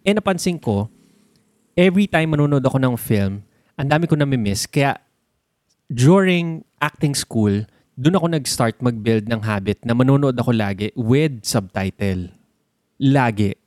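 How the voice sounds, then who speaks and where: Animated Filipino man chatting about films. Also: mid-range voice, unhurried, pauses often, no room sound, clean studio sound. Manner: animated, explains with examples and sound words. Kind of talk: casual chat about films.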